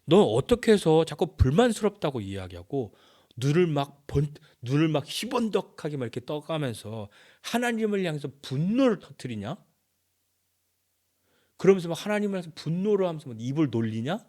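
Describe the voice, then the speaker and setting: A man's voice: on the high side, very animated, a little fast, warm tone. A man playing a boastful, scornful man taunting a suffering friend with rhetorical challenges. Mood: scolding.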